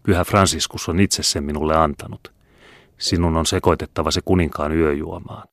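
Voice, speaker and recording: A man reading the part of a scheming male Jesuit priest in a low, murmuring voice. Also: fairly even intonation, dry recording, studio quality. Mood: urging.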